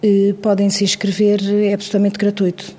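A woman answering interview questions briskly, with frequent hesitation fillers. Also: medium pitch, completely flat delivery, warm tone, in a large hall. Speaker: immigrant support staff member.

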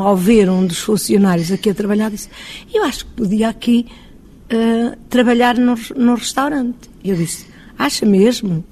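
A woman's voice: on the high side, darkish tone. A woman with a European Portuguese accent, a hotel owner, talking in an interview in a chatty way, thinking aloud and quoting her own past dialogue.

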